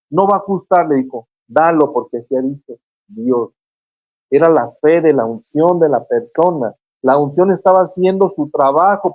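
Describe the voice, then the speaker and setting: A preacher, preaching fervently on a Christian radio show and retelling scripture stories with acted quotes. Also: female voice, low-pitched, darkish tone, no echo, muffled recording. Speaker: guest preacher on a radio program.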